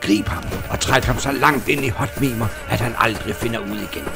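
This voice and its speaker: A man's voice: lowish voice, sing-song. A man playing a hot-tempered ruler. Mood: furious. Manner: haughty, quick to shout. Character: proud greedy male ruler, hot-tempered. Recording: music playing underneath.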